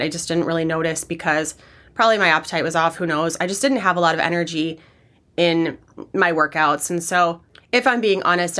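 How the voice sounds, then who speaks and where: A woman hosting her fitness podcast, speaking casually and candidly through a hoarse, raspy voice from being sick, rambling with fillers. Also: lowish voice, a bit bright. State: hoarse from illness. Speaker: podcast host and personal trainer. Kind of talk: casual solo podcast talk.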